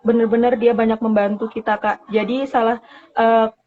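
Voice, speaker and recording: Higher-voiced woman on dull lo-fi call. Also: little pitch movement. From Papua, Indonesia. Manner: halting, mixes in English words. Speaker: interview guest. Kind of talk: casual online interview.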